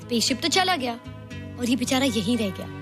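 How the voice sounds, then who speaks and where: An actress playing a calm, thoughtful young woman who explains things patiently in a film scene. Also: a little high, moderate pace, natural voice. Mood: explaining. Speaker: friend. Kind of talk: Bollywood film acting. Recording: film soundtrack with loud music. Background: film score music.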